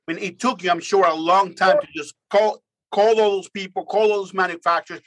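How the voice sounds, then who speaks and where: A man hosting a podcast with a husky voice, asking quick, encouraging questions of his guests. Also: high-pitched, steady tone, a bit bright, no room sound. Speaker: podcast host. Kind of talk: interview questions.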